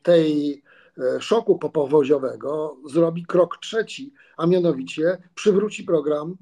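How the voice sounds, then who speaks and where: A man's voice: fairly high pitch, a little slow, warm tone. A man giving political analysis on a video call, sure of his view but often restarting his sentences. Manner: confident but stumbling, many restarts. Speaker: commentator. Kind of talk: political panel discussion. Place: room with a patterned wall mural.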